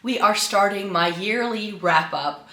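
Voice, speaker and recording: A woman's voice: medium pitch, a little slow, bright, forceful tone, roomy sound. Congested woman from the Netherlands, chatty. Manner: chatty, with frequent ums and restarts. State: congested and slightly raspy from flu. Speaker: beauty vlogger. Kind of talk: casual chat to camera. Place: home room by a Christmas tree. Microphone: camera mic, set some way off.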